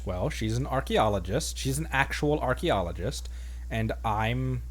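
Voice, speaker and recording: A man streaming a game with casual, joking commentary, often repeating himself haltingly. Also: medium pitch, animated.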